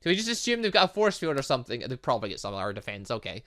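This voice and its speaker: A man giving animated let's play commentary on a video game, reading dialogue aloud and adding sarcastic asides. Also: medium pitch, rapid-fire. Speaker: gaming channel host.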